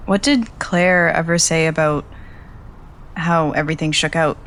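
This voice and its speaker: A woman's voice: deep voice, fairly even intonation, a little slow, fairly bright tone, a little hiss or hum. A woman playing a wistful, wry traveller in an audio drama, with an understated, dry delivery. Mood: wistful, subdued. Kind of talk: naturalistic audio drama acting.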